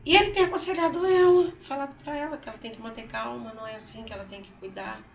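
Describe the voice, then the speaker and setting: A woman's voice: a little high, steady tone, fast talker, roomy sound, distant mic. A mother telling a personal story in an interview. She acts out her son's words and often repeats herself. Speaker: guest, mother. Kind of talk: emotional personal testimony in interview. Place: council studio.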